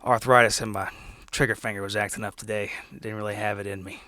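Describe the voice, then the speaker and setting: A man's voice: fairly low pitch, little pitch movement, fast talker, sharp tone, no room sound, voice pushed down. A man playing an aging, modest, evasive field agent in a tabletop game. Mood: sheepish, deflecting.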